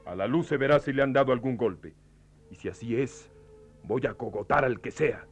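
A man's voice: mid-range voice, moderate pace, soft background music, natural voice. A man playing a miserly, hot-tempered farm boss in a theatrical radio play, accusing, threatening and full of self-pity. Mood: angry, threatening.

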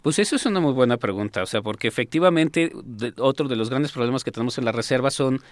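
A man, speaking as the executive secretary of a nature reserve, explaining in an animated, casual way with homely comparisons. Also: mid-range voice, fast talker, no echo. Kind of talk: casual interview talk.

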